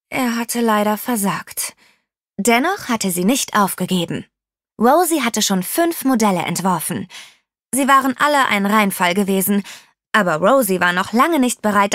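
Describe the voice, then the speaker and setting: A woman narrating a children's audiobook with lively, playful storytelling. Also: mid-range voice, dry recording, clean studio sound.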